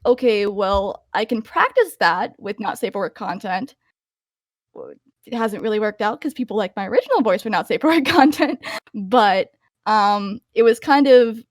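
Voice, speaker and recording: A young woman with a fairly high voice talks through an interview in a loose, chatty way. She restarts her sentences often and leans on lots of ums. The sound is dry and close. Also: no echo. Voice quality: higher-pitched voice. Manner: chatty, many fillers and restarts. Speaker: voice actor guest. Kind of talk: casual interview answers.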